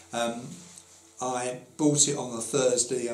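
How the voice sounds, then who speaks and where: A man's voice with audible room echo. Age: 60s. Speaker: first-time gamer reviewing a VR headset. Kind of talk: casual talk to camera. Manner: hesitant, conversational. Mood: relaxed, friendly. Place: home room. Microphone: camera far.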